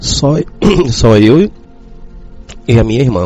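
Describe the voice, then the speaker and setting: A man talks at a fairly slow pace with a fairly low pitch and lively intonation. There is noticeable background noise. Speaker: church elder giving devotional. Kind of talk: sermon.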